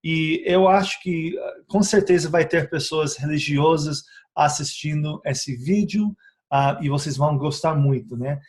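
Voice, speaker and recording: A man speaking a learned second language gives a casual teaching video about essential oils. His voice is a little high with a darkish tone, and he sounds hesitant, pausing often on filler sounds, correcting himself and using tag questions to check in with the viewer.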